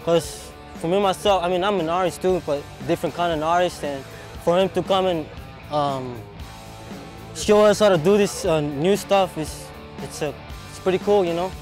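A young man from Palau, raised in Hawaii, talking earnestly and haltingly in an interview, often saying "man". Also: sits high, darkish tone. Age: young adult. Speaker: program student. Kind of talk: interview talk. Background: music bed.

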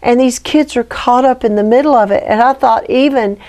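A woman's voice: fairly high pitch, brisk, darkish tone. A woman guest on a Christian talk show, speaking earnestly and preacherly. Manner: earnest, preacherly, rising to pleading near the end. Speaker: guest, ministry founder.

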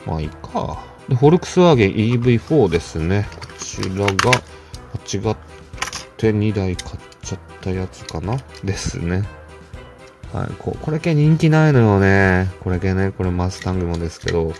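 A man's voice: deep voice, expressive, normal speed, over music. A man casually chatting to himself while opening toy cars, muttering asides and chuckling. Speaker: toy car collector vlogger. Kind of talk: casual unboxing chat.

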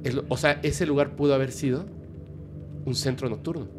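A man, a podcast guest telling an eerie story in a lively, casual storytelling manner. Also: mid-range voice, normal speed, over music. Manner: animated, vivid storyteller.

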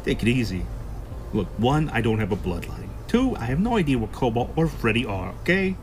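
Sci-fi audio drama: sly, swearing, sarcastic black-market shopkeeper male actor, mid-pitched, clear background noise. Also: very animated, fairly quick, darkish tone, lightly acted. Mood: defiant. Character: foul-mouthed, sly black-market shop boss, grimly pragmatic. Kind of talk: science-fiction audio drama acting.

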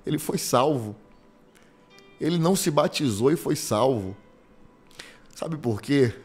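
Brazilian preacher telling a story over soft music. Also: male voice, mid-range voice, lively intonation, breathy edge. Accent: Brazilian Portuguese. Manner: storytelling, acting out quoted dialogue, slow emphatic repetitions. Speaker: bishop preaching. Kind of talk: conversational sermon.

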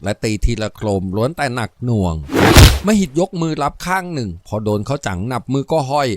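A man narrating a novel as an audiobook, in an expressive storytelling manner. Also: mid-range voice, brisk, very noisy.

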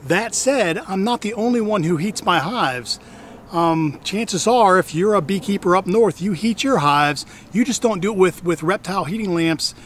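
Outdoors in a wooded backyard apiary, a middle-aged hobbyist beekeeper hosts his casual vlog, filmed by a camera on a tripod some distance away. His voice is high-pitched, animated and fairly bright at a moderate pace, and he chats along with exclamations and repeated restarts. Bees and insects make faint outdoor noise.

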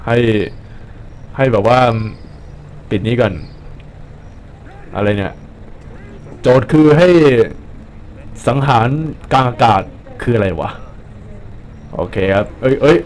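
A young man giving casual, joking commentary over his gameplay, excitable and swearing at enemies. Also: medium pitch, slow, long pauses, slight background noise. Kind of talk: casual Let's Play commentary.

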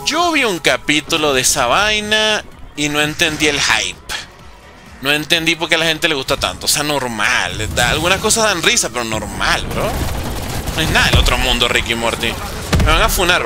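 A young Venezuelan man with a Venezuelan accent, chatting casually and joking with viewers while streaming a zombie game. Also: mid-range voice. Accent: Venezuelan Spanish. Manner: chatty, joking, reads and answers viewer chat. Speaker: gaming streamer. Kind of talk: casual live commentary while playing. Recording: game music underneath.

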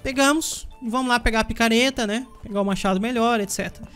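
Chatty Brazilian gaming commentator. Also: male voice, very high voice, quick pace, a bit bright, smooth, soft background music. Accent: Brazilian Portuguese. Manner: chatty, addresses viewers, yelps when playing. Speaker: gaming YouTuber. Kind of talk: let's play commentary.

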